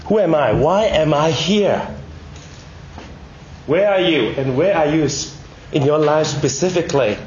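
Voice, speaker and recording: A man with a Malaysian accent, recovering from a cold, giving a prepared Christian talk in measured short phrases with rhetorical questions. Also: a little high, a little mellow. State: recovering from a bad cold, one ear blocked. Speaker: speaker at a Christian public talk. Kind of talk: prepared sermon-like talk to students. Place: indoor room, speaking to an audience. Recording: echoey room, dull sound, faint noise.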